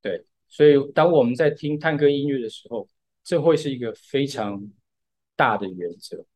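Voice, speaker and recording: This podcast co-host from Taiwan patiently explains a music topic in a casual show, using lots of filler words. He speaks at a moderate pace in an ordinary mid-pitched, darkish voice.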